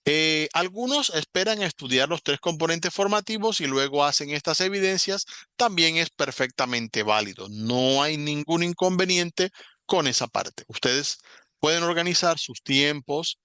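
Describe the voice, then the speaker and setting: Bright, crisp-voiced male English teacher. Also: on the high side, no echo. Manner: patient, explains step by step, models English words slowly. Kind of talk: online class walkthrough.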